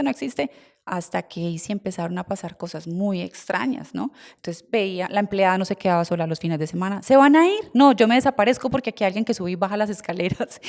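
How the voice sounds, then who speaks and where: A middle-aged woman, a medium recounting her experiences in an interview, emotional and given to repetition. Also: medium pitch. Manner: emotional, repetitive storytelling with soft asides. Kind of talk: storytelling interview answer.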